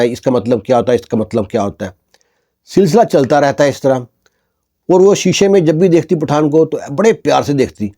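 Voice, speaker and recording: A man's voice: medium pitch, dark tone. A man telling a story in a casual, colloquial way, repeating himself and leaning on fillers.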